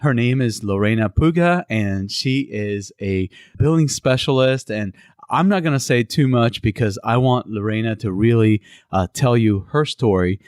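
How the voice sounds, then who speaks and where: A man's voice: medium pitch, a little mellow, clear, resonant tone, dry recording. Man from Cuba hosting a podcast, dry sound. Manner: halting, many fillers and restarts. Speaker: podcast host. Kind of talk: casual interview podcast.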